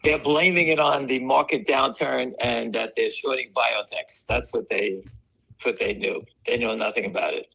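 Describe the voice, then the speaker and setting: A man whose voice is hoarse and gravelly after weeks of coughing. His tone is bright and tense, with a raspy edge. He talks in a loose, rambling, chatty way as a guest on a live stream. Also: mid-range voice, normal speed, low-quality recording. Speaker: guest on a stock market stream. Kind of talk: casual chat.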